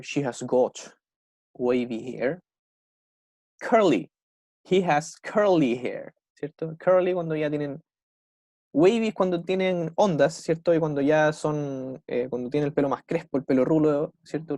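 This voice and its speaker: A young adult man with a Chilean Spanish accent, teaching an English class online. He keeps checking in with his students and slows right down to model English phrases. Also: mid-range voice, a little mellow, no echo, clean studio sound. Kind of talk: online class explaining vocabulary.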